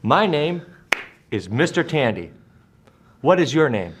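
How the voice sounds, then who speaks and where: A male teacher from the United States leading an English class, speaking slowly and deliberately and repeating words for his students. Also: fairly high pitch, big pitch swings, husky. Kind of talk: slow classroom drill.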